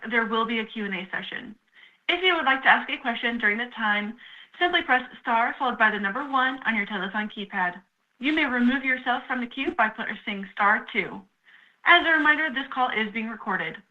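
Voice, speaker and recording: A woman's voice: a little high, pushed and bright. A woman working as a conference call operator, reading a scripted announcement over a telephone line. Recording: dull, lo-fi conference phone line.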